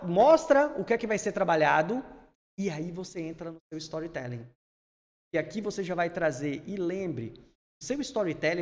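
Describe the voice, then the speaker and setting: A man from Salvador, teaching public speaking in an energetic, emphatic way. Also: sits high. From Salvador, Brazil. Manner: energetic, emphatic, rising bursts when he gets worked up. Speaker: speaking coach. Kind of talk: instructive conversation. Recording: long hall reverb.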